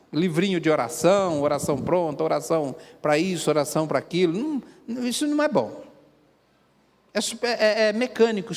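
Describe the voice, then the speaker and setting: A man with a Brazilian Portuguese accent preaching a sermon as a pastor, earnest and conversational, putting direct questions to the congregation. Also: sits high. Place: church sanctuary. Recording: long hall reverb in a church.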